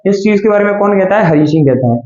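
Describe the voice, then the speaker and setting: High-voiced teacher in echoey room. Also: male voice, lively intonation, quick pace, a little mellow, lo-fi sound. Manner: repeats and answers his own questions, addresses students as children. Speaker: English teacher. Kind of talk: classroom grammar lesson.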